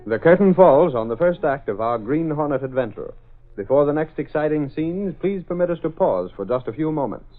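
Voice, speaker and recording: Male announcer, formal steady narration over music, tinny vintage radio sound. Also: a little high, a little fast. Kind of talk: scripted narration.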